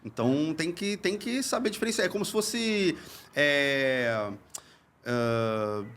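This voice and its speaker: A man's voice: on the high side, lively intonation, slow, a bit bright, slight background noise. Earnest man explaining comedy craft. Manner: earnest, explanatory, repeats words while searching. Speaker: comedy teacher and podcast host. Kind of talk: casual chat.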